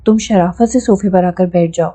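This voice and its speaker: A woman's voice: fairly low pitch, dark tone, natural voice. A woman reading the lines of a bemused young man in an audiobook, wry and mildly protesting.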